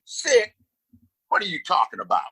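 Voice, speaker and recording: A man's voice: high voice, huge pitch swings, moderate pace, bright, forceful tone, slightly rough, full character voice, rough recording. A man playing a domineering, scornful wealthy father and town boss in a Western audio play, condescending and commanding. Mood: surprised, authoritative.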